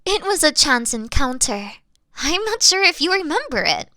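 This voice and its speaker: A woman playing an obsessive, lovestruck elf kidnapper in a fantasy audio roleplay, with a coy, theatrical delivery that dips into hushed tones. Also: high voice, sing-song, normal speed, no echo, studio quality, exaggerated voice. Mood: smitten, tender.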